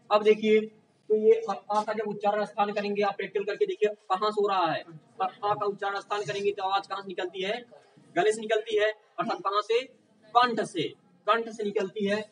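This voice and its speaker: Man, high-pitched teacher giving a classroom lecture, quizzing the class as he goes, recorded from a distance. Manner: asks the class questions and answers them himself, often repeating "confirmed?". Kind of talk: classroom lecture for exam prep.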